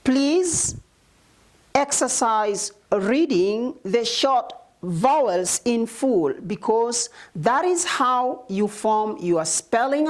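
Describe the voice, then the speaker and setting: A woman with a Kenyan accent teaching Arabic short vowels, reciting letters and syllables one by one in a slow, deliberate drill. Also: a little high. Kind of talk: slow spelling drill lesson.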